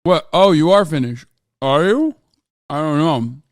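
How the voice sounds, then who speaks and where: A man's voice: on the high side, expressive, a little slow, no room sound, clean studio sound. An American man streaming, reacting to a video with heated, profane ranting commentary. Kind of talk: casual livestream commentary.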